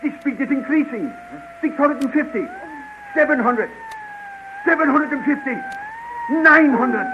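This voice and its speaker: An earnest, excitable older space scientist in 1930s radio drama. The voice is strikingly high for a man. The old recording is dull and clearly noisy. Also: a little slow, pauses often, full character voice. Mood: alarmed. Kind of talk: 1930s radio serial acting.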